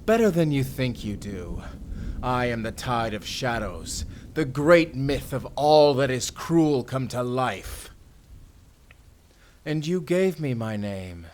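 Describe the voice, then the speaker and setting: A man playing a suave, menacing fantasy villain in an audio drama, speaking with theatrical, deliberate politeness and command. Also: medium pitch, expressive, darkish tone. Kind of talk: audio roleplay acting.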